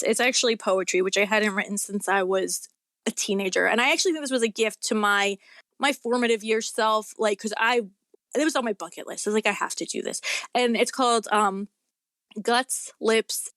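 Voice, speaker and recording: A woman's voice: a little high, a bit bright, dry recording, studio quality. A woman chatting casually as an interview guest, talking in an earnest, rambling and emphatic way. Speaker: guest author.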